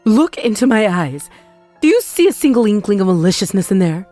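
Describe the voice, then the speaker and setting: A woman's voice: medium pitch, very animated, brisk, mellow, close to an everyday voice. Woman acting a scheming, wheedling middle-aged mother. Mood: pleading. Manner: wheedling, theatrical, gloating. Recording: voice over background music.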